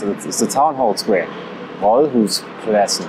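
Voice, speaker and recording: A man speaks at a fairly slow pace with a medium pitch and lively intonation, over noticeable background noise. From Denmark. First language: Danish. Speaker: language teacher. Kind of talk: tutorial.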